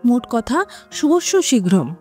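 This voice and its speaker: A woman's voice: a little high, big pitch swings, a little slow, dark tone. An actress playing an impatient, determined woman in an audio drama, pressing her lover in an insistent, dismissive way. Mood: breezily determined. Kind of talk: Bengali audio drama dialogue. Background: dramatic music.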